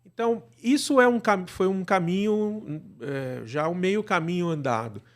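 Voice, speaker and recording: A man's voice: high-pitched, unhurried. A middle-aged Brazilian man speaking as an interview guest, casually telling his story in a discursive way with frequent tag questions. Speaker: interview guest, actor and podcast producer.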